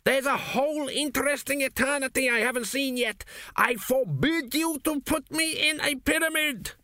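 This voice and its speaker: A man voicing an old, anxious ghost king, high and thin, pleading and slipping into whispers. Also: moderate pace, pushed and bright, no room sound, studio quality, heavily acted. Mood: frantic. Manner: pleading, breaking into whispers and screams.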